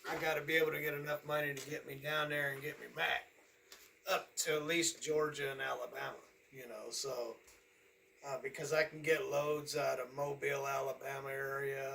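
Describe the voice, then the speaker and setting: A man's voice: medium pitch, vocal fry, bright, forceful tone, a little hiss or hum. An American man in his sixties, a trucker chatting casually in a folksy, rambling way. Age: 60s. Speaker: owner-operator trucker and vlogger. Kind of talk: casual chat on a phone call and to camera.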